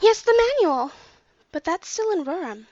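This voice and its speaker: High, theatrical scheming mirror clone played by a woman. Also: big pitch swings, normal speed, darkish tone, no echo, muffled recording. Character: mirror-born female clone, quirky aspiring world conqueror. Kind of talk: amateur audio drama acting.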